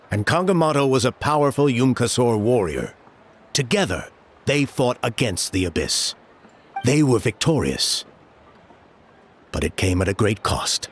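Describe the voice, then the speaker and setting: An actor playing a stern, protective middle-aged tribal elder and father in a game, with a measured, formal way of speaking. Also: medium pitch, slightly rough.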